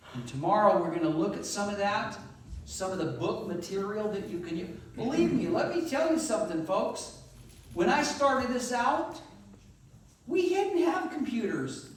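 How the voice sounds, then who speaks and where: With an American accent, a man speaks in a high pitch at a moderate pace, his pitch swinging very widely amid audible room echo and noticeable background noise. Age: 60s. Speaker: homesteading workshop speaker. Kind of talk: workshop talk.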